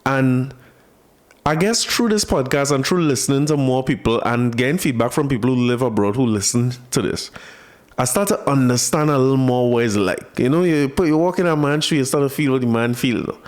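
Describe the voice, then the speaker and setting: A man's voice: mid-range voice, brisk. Chatty Trinidadian man hosting a podcast. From Trinidad and Tobago. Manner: chatty, laughs easily, repeats words when starting a thought. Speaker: podcast host. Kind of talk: casual chat.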